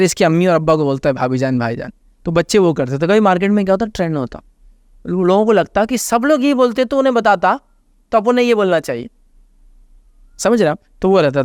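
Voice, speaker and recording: A man's voice: high voice, clear, resonant tone, no echo, clean studio sound. A man with an Indian Hindustani accent, explaining social manners through everyday examples as an Islamic scholar answering a question. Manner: repeats reminders to remember. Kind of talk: conversational religious advice talk.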